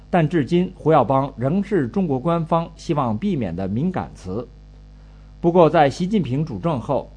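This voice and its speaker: Man, higher-pitched husky voice, scripted news report, radio correspondent. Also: a little mellow.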